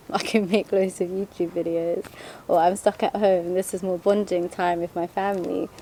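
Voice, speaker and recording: A woman with a British accent, monotone and flat, over noticeable background noise. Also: medium pitch for a woman, moderate pace. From UK. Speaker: junior doctor and video creator. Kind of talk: casual Q&A monologue. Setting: garden.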